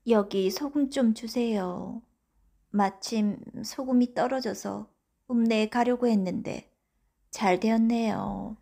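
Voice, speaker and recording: A woman's voice: on the high side, slow, vocal fry, mellow, pitched above the performer's own voice, exaggerated voice. A woman voicing a grieving young widow of about thirty in a folktale storybook, speaking politely and plaintively. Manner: formal, deferential, plaintive.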